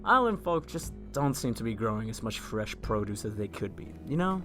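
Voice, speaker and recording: A man's voice: on the low side, lively intonation, normal speed, over music, lightly acted. Man playing a mild, apologetic newspaper man. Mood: pleased, hopeful. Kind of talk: audio drama acting.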